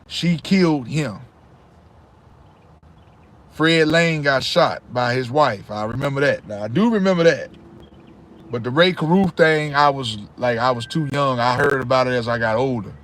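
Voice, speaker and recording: A man's voice: mid-range voice, normal speed, fairly bright tone. Laid-back chatty man in his thirties. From Charlotte, North Carolina. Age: 30s. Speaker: livestream host. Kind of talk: casual live chat reading comments.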